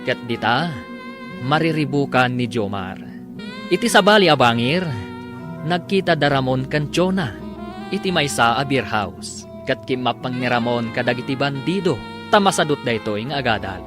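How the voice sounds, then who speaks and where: A male announcer delivers scripted radio drama narration. His voice is medium in pitch, and music plays clearly behind him. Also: lively intonation, normal speed.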